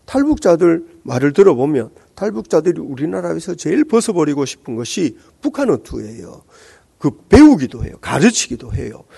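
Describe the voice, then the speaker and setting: Gyeongsang accent pastor guy preaching, kinda high voice, lots of ups and downs, asks questions, says uh a lot. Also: very animated, moderate pace, vocal fry, dark tone, slightly rough. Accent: Gyeongsang Korean. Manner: explains scripture with rhetorical questions, many hesitant fillers. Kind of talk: sermon.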